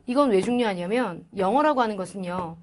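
A woman's voice: medium pitch, expressive, fairly quick, darkish tone. A woman English teacher giving a chatty lecture to students, asking questions and answering them herself. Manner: chatty, asks and answers her own questions.

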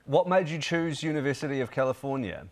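A man's voice: mid-range voice, fast talker. A man in his thirties presenting breakfast television from a studio, upbeat and chatty, on a lapel mic. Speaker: TV news presenter. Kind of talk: breakfast TV interview.

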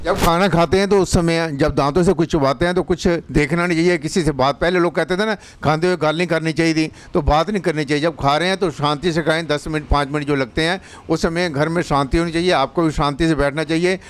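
A man's voice: fairly high pitch, steady tone, quick pace, few pauses. A man from Punjab interviewing a dentist, respectfully summing up the guest's points and asking follow-up questions. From Punjab, India. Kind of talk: local interview.

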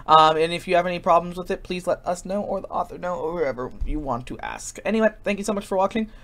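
A tired man giving a casual narration for a screen-recorded software tutorial, as the host. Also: high voice, fast.

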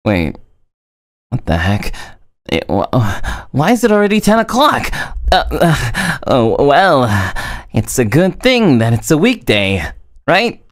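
A man acts out a sleepy male student in an audio roleplay. He stammers and teases in a slow, groggy morning voice with lively swings in pitch, recorded dry and close. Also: no room sound, heavily acted. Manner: halting, stammering. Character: drowsy, flustered, teasing male student on a phone call. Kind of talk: scripted roleplay voice acting.

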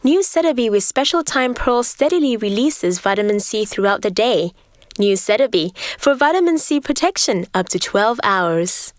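A woman's voice: on the high side, animated, normal speed, no echo, clean studio sound. A woman doing polished scripted commercial voice-over as an actress.

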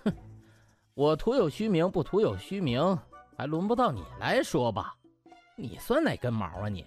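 Insolent young doctor voiced by a male narrator, flippant, mocking, very animated pitch, comic audiobook. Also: moderate pace, faint music behind. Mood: scornful. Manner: taunting, chuckling, flippant.

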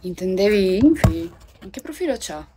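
A woman's voice: medium pitch, very animated, moderate pace, noisy background. A young woman, chatting casually with viewers on a phone livestream from home, swearing and laughing often. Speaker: livestream host. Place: at home indoors.

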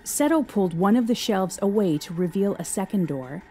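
A woman's voice: medium pitch, lively intonation, normal speed, mellow, slight background noise. A woman narrating a scripted story as the narrator of an audio drama.

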